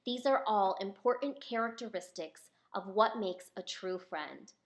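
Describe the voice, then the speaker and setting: A woman's voice: mid-range voice, a little slow. A woman reading a picture book aloud as its author, speaking expressively to young listeners. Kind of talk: storybook read-aloud to children.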